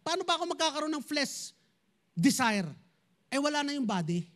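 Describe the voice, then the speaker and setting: Man, pastor, sermon, very high pitch, talks right to the congregation. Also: very animated, normal speed, fairly bright tone. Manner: switches between Tagalog and English, addresses congregation directly.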